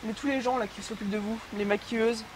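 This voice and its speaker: A woman's voice: on the high side, fairly even intonation, fast talker, crowd noise, lightly acted, low-quality recording. A woman playing a stern, impatient assistant who scolds curtly in a fan film drama. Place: outdoors by cars.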